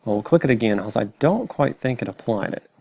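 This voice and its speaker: A man narrating a step-by-step software tutorial in a plain, methodical way. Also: mid-range voice, lively intonation, a little fast, creaky, slightly rough, highs cut off. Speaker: tutorial presenter.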